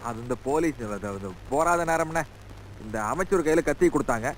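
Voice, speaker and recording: A man's voice: on the high side, expressive, a little fast, slight background noise, natural voice, low-quality recording. An actor playing a grumbling drama-troupe man in an old film comedy. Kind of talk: 1980s Tamil film comedy.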